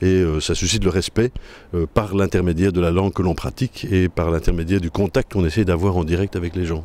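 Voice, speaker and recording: A man's very deep, low voice with a dark, mellow tone at a fairly quick pace. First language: English (speaking French). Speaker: corporate social responsibility manager. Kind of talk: interview. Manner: frequent hesitations (euh).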